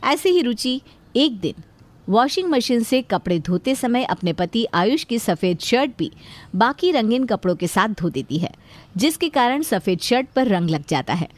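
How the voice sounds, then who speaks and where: A woman narrating a family story in a calm, scripted way. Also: fairly high pitch, normal speed.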